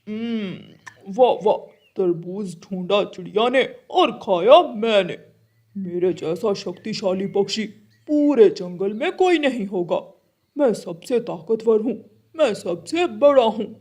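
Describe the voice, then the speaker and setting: A woman doing a loud gloating bully crow. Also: medium pitch, expressive, unhurried. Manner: gloating, loud, with mocking laughs. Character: boastful bullying male crow, greedy.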